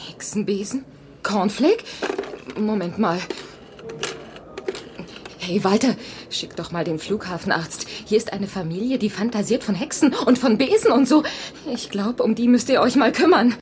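A woman's voice: medium pitch, expressive, moderate pace, pauses often, a little mellow, slight background noise, natural voice. An actress playing an unmotivated, dismissive airport ground-staff woman in a children's audio drama, with a curt, snippy manner. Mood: incredulous, mocking. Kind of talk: 1980s German children's audio drama acting.

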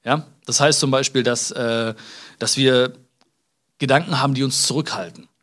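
A man's voice: medium pitch, steady tone, normal speed, a bit bright. Podcast host, man from Germany, casual self-help monologue, mid-range voice, chatty, checks in with the listener often, hesitant restarts. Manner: chatty, addresses listener directly with frequent tag questions; hesitant restarts and filler sounds.

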